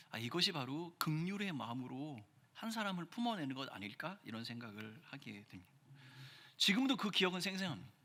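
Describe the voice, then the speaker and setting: A man preaching a sermon as pastor, earnest, pressing hard on key phrases and then dropping his voice low. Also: pushed and bright. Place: church sanctuary. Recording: church hall reverb.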